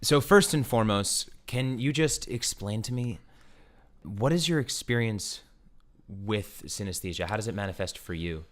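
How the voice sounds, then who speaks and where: A man's voice: on the low side, moderate pace. A man hosting a podcast, moving between upbeat scripted narration and casual interview questions. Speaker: podcast host.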